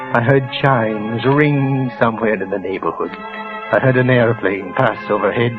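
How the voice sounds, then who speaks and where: An actor playing a frightened clerk who narrates his own crime in a tense, halting first person. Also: mid-range voice, close to an everyday voice. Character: anxious middle-aged male clerk narrating his crime. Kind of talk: 1940s radio acting. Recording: dull old radio broadcast with music.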